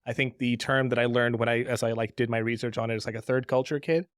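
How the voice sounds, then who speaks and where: A man's voice: medium pitch, fairly even intonation, fast talker, no room sound, clean studio sound. A young man from Pakistan, a native Urdu speaker, chatting casually as a podcast guest with lots of fillers and restarts. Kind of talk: casual interview chat.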